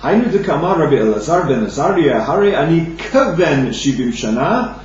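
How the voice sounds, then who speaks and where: Halting man teaching in a very echoey room. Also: a little high, big pitch swings, darkish tone. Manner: halting, restarts phrases, reads Aramaic then explains in English. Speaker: Talmud teacher. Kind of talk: daily Talmud study lesson. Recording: distant, dull lo-fi mic in an echoey room with faint hum.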